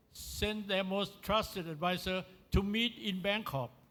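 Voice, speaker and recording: A high-pitched man's voice, bright and sharp in tone, with fairly even intonation. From Thailand. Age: 70s. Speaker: politician. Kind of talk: panel commentary. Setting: stage with audience. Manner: formal.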